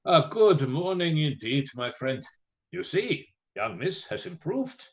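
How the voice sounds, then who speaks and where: Older Germanic professor, slightly high voice, grave, commanding, fatherly, theatrical radio drama. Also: very animated, slow, heavily acted. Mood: fatherly, measured. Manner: stilted foreign phrasing, commanding yet fatherly.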